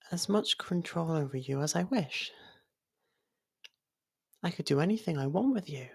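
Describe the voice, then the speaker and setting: A woman voicing a possessive, softly menacing fairy royal in love, coaxing in an ASMR roleplay and slipping into whispers. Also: fairly low pitch, vocal fry, breathy edge, full character voice.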